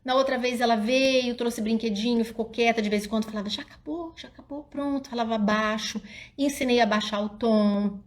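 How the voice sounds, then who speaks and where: A middle-aged woman psychologist, talking casually to parents in a live stream and acting out little scenes as she tells them. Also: brisk. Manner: animated storyteller, often addresses listeners as "gente"; drops soft and low when quoting her own calm words to the child.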